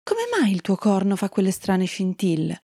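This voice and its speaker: A woman's voice: mid-range voice, fairly even intonation, normal speed, warm tone, breathy edge, dry recording, clean studio sound. A woman doing a sweet, eager young unicorn girl. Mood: gentle. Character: gentle, excitable young female unicorn.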